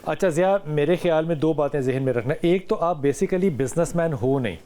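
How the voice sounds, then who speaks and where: Pakistani urdu guy hosting a religious call-in show, calm, kinda high voice, short hmms. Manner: calm, gives advice, short acknowledgements. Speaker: host.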